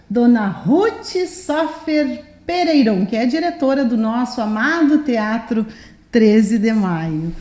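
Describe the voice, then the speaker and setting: A woman journalist hosting an interview, effusive and admiring toward her guest, with lively interjections. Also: fairly high pitch. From southern Brazil. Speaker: journalist, host.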